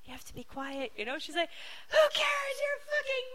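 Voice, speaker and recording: A woman guest on a podcast, telling an excited story and acting out the people in it. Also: very high voice, moderate pace. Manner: excited, acts out the people in her stories. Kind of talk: casual storytelling chat.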